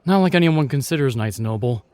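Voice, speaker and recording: An actor playing a chivalrous, shyly tender knight in a fantasy audio roleplay, speaking with courtly, reassuring and slightly hesitant phrasing. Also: male voice, medium pitch, lively intonation, fairly quick, a little mellow, no echo, close to an everyday voice. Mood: reassuring, wry.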